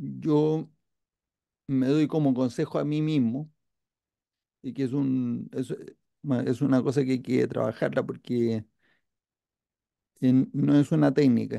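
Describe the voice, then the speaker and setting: A man speaks at a very slow pace. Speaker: management consultant and instructor. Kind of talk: live Q&A session. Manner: measured, unhurried.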